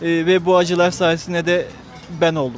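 Music plays in the background. A man talks at a moderate pace with a high pitch. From Bursa, Turkey. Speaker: podcast co-host. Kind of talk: casual chat.

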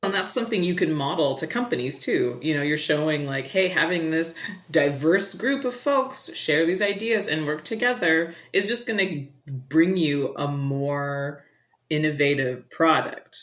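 This woman's voice sits very deep and low in pitch, with lively intonation. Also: fairly slow pace. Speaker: podcast co-host. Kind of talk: casual chat. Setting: video call.

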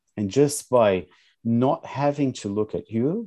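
Against a quiet background, a man speaks with a Brazilian accent. His tone is dark and mellow. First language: Portuguese. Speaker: social work academic and counselor. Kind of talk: casual interview conversation. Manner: halting, with repeated words.

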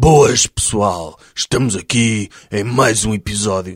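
A man's raspy, put-on character voice, fairly low in pitch, with ordinary pitch variation at a fairly slow pace, in a dry, close sound with no echo. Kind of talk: broadcast. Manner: exaggerated radio-host delivery.

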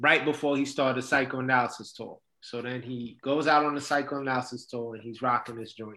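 A man speaks with a New York accent in a bright, sharp tone. His intonation stays flat and monotone while his loudness swings widely. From New York, the Bronx. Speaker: rapper and high school teacher. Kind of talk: casual chat.

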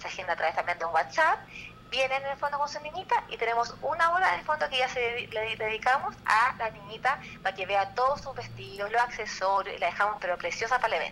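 A woman speaks very fast with a Chilean accent. Her pitch is fairly high and her intonation lively. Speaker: small business owner. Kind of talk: product pitch.

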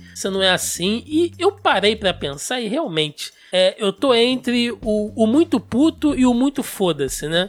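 With hardly any pauses, a man speaks at a fairly slow pace in a high pitch, with very wide pitch swings. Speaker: podcast host. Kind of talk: casual chat.

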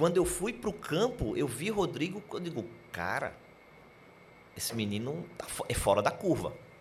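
A man with a high voice talks at a moderate pace with very wide pitch swings. He pauses long and often over noticeable background noise. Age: 40s. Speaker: pharmaceutical industry manager. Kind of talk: live podcast interview. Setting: live event with audience. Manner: calm.

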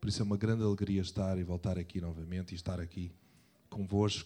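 In a Lisbon accent, a man speaks with a dark, mellow tone and fairly even intonation on a very clean recording with a silent background. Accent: European Portuguese, Lisbon. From Portugal, Pontinha (Lisbon area). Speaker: pastor. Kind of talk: sermon. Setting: church.

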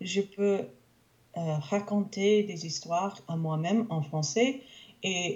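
A woman with an English accent, a medium pitch, a somewhat breathy quality, lively intonation and a very slow pace. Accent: English-speaking accent in French. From Canada. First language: English (speaking French). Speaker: English teacher and language learner. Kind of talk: interview. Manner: halting, many hesitations.

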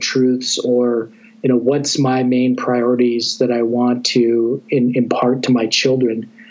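A man talks here. Behind him there is noticeable background noise. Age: 40s. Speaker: military veteran and ministry leader. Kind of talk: interview. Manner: halting.

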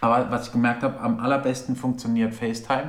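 A man speaks at a medium pitch. Audible room echo is present. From Germany, Heidelberg (Baden-Württemberg). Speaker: podcast co-host, photographer. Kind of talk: casual chat.

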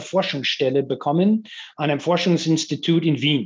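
Speaking at a moderate pace, a man uses an American accent. His pitch is fairly high, with ordinary pitch variation. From US, New Mexico and Texas. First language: English (speaking German). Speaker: professor. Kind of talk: interview. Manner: hesitant with fillers.

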